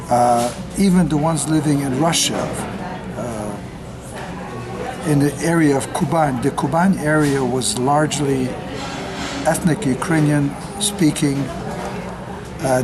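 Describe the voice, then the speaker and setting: An older man who grew up in the United States, a retired sociologist giving an unscripted personal account, often pausing on fillers as he speaks. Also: mid-range voice. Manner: halting, with frequent filler pauses. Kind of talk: unscripted spoken testimony.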